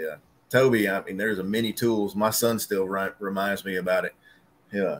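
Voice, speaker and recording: A man with a Southern US accent talks at a moderate pace, his pitch fairly low and his intonation fairly even. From US South. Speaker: paintless dent repair technician. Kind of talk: casual chat. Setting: video call.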